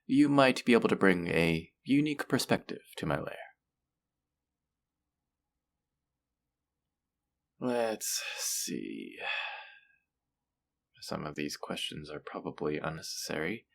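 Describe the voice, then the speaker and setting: A man's voice: low-pitched, very animated, unhurried, gravelly, heavily acted. A man playing a feared supervillain in an audio roleplay, theatrical and businesslike, with a dry, politely condescending manner. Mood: businesslike, intrigued. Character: feared male supervillain, theatrical yet businesslike and dryly amused. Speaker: supervillain interviewing a job applicant. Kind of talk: audio roleplay acting, addressing the listener.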